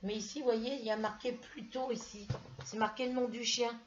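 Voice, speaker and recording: A woman's voice: on the high side, fairly even intonation, a little fast, lo-fi sound, slight background noise. A middle-aged woman from France chatting casually in a haul video, hesitant and full of restarts as she shows a purchase. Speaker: craft vlogger.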